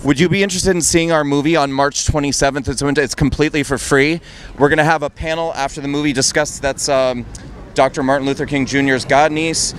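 A campaign activist conducts a street interview on a busy city sidewalk, his slightly high, clean-toned voice steady and fairly quick. He talks conversationally yet earnestly and persuasively into a handheld mic, with traffic noise filling the background.

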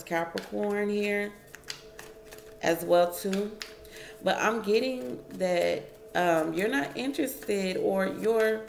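A woman talks viewers through a tarot spread, calling them y'all and thinking aloud over each card. Her voice sits low with a gravelly edge. The home room gives a noticeable echo and a faint hum behind her. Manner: chatty, addresses viewers as y'all, muses over cards aloud. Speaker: tarot reader. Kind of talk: casual tarot reading to camera. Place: home, at a wooden table.

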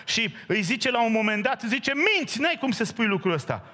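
A man delivers a sermon with a fairly high voice, jumping into the voices of the figures in his story. He keeps turning to the listeners with direct questions. The sound rings out with the long reverb of a church hall. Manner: animated storytelling, acting out biblical dialogue in raised voice; addresses congregation directly with questions. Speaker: pastor.

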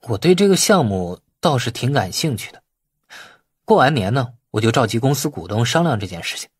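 A narrator acting out a shrewd male company boss in an audiobook novel. His voice is husky and medium in pitch, and he feels his way carefully through each exchange. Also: big pitch swings, fairly quick, no echo, clean studio sound. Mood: feigned interest. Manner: tentative, probing. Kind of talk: audiobook dialogue.

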